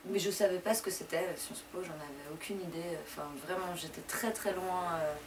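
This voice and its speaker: A young woman raised in France whose first language is Persian, telling her life story in an interview at a loose, conversational pace. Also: on the low side. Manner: conversational, loosely paced with frequent pauses. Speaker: deputy mayor interviewee. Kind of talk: interview answers, personal story. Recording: distant mic with clear background noise.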